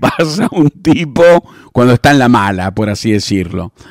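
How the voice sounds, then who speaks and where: With a Rioplatense accent, a man speaks at a moderate pace and medium pitch with lively intonation, in a dry, close sound with no echo. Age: 60s. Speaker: radio host. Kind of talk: interview.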